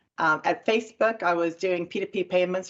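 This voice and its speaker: A woman in a plain, everyday voice with an American accent, fairly low pitch and a fairly slow pace. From Texas, military family moving around. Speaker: business executive, keynote speaker. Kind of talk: keynote speech. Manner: conversational, some filler words.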